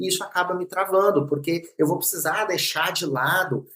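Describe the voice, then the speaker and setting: A man speaks with a Goiás accent. His pitch is high. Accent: Goiás (goiano). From Brazil, Goiás. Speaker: entrepreneur and business coach. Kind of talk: lecture. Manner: animated.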